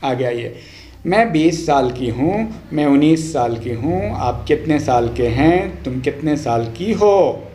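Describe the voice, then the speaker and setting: A man giving a language lesson, reading practice sentences aloud in a deliberate, instructive way, line by line. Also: a little high, animated, dark tone, slight background noise. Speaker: language teacher. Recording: echoey untreated room.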